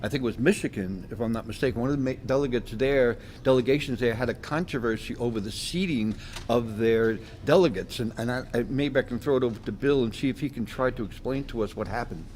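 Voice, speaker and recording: A man with a middling voice walks through what happened at a convention, measured and a little halting, often restarting his phrases. Faint ambience murmurs in the background. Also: mid-range voice, darkish tone, slight background noise. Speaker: guest. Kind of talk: recounting events. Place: hotel convention venue.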